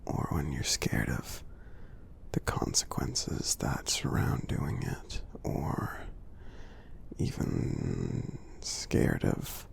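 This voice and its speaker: Man playing a gentle giant, deep gravelly half-whisper. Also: big pitch swings, heavily acted. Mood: gentle, reassuring. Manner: tender, halting, encouraging, with long pauses. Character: gentle friendly male giant, kindly and reassuring. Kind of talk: ASMR roleplay affirmations.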